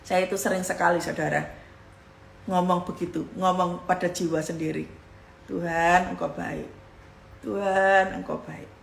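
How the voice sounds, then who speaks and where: A woman preaching a sermon in an earnest, chatty way. She often sinks to a soft, breathy hush, then rises again. Her voice rings in a roomy, echoing space. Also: on the low side, a little hiss or hum. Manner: earnest, conversational, often drops to a soft near-whisper. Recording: echoey room.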